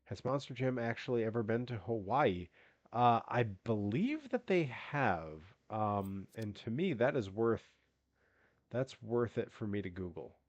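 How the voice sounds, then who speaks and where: A man's voice: on the low side, big pitch swings, measured pace, no echo, dull audio. A man streaming a video game, chatting casually and rambling, congested from allergies so he sounds like he has a cold. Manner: rambling, with many restarts and fillers. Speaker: gaming streamer. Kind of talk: casual live-stream chat.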